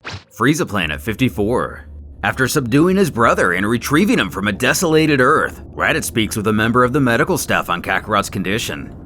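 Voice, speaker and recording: A man's voice: mid-range voice, very animated, fairly quick, pushed and bright, a little hiss or hum. A man narrating a scripted story in a dramatic, theatrical manner. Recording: music under the voice. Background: music.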